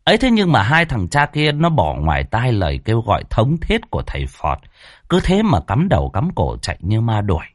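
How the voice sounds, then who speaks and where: A man narrating a ghost story in a lively, dramatic, colloquial way, with a husky voice. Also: fairly low pitch, fairly quick, no room sound, studio quality.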